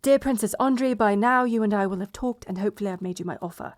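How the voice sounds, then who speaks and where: A woman's voice: medium pitch, quick pace, natural voice. A woman playing a proud, blunt betrothed princess in a medieval romance audio roleplay, sardonic and exasperated in manner. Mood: subdued reading. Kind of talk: romance audio roleplay acting, addressed to listener.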